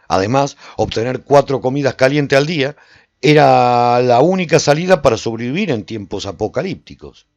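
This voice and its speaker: A reflective survivor telling his story in a radio drama. His measured, dramatic delivery moves through a lively range of pitch. The sound is very dry and a little muffled, like a close lo-fi studio recording. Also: dry recording. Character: reflective male survivor recounting life in a post-apocalyptic walled city. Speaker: narrator and actor in a radio serial. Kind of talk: first-person dramatic scripted narration.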